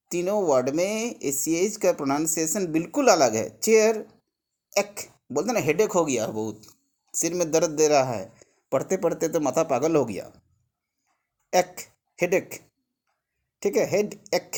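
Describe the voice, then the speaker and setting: Slow-paced teacher explaining a workbook. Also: male voice, fairly high pitch, a little mellow. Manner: mixes Hindi and English, explains step by step.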